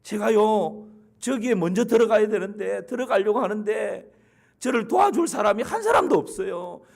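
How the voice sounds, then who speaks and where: A man's voice: high-pitched, animated, moderate pace, gravelly, pitched above the performer's own voice, exaggerated voice. A man voicing a long-ill man earnestly explaining why he has never been healed. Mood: pleading. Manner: complaining, explaining himself earnestly. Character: long-ill man pleading his excuse.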